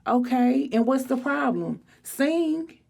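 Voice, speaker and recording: Woman playing a brash, sassy teenage girl, pitched up. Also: very animated, slow, vocal fry, a little mellow, full character voice. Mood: dismissive. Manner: sassy, snappy, slangy. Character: brash loud teenage girl, sassy, boastful best friend.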